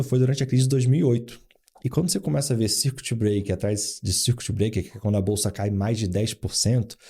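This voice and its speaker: With a fairly low, dark and husky voice, a man in his forties from Rio de Janeiro guests on a casual interview. The founder and board adviser tells business stories rich in anecdotes, acting out the quoted dialogue.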